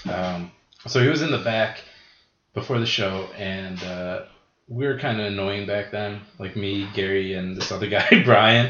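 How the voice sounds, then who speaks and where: Speaking at a fairly slow pace, a man with an American accent uses an ordinary speaking voice at a fairly low pitch. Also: ordinary pitch variation. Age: 30s. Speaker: wrestling promoter and wrestler. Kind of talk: casual chat.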